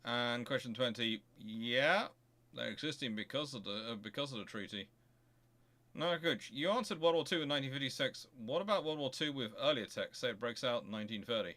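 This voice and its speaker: A man hosting a casual live question-and-answer stream on history, talking in a halting way as he thinks aloud and repeats phrases. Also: mid-range voice, lively intonation, bright, forceful tone. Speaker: host of a naval history stream.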